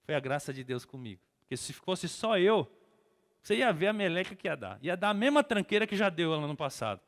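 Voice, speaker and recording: A middle-aged Brazilian man, a pastor, telling a personal story in a sermon and building to loud, emphatic preaching. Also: high voice, sing-song, a little fast. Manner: storytelling, acts out quotes, grows loud and emphatic. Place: church hall. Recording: long church hall reverb.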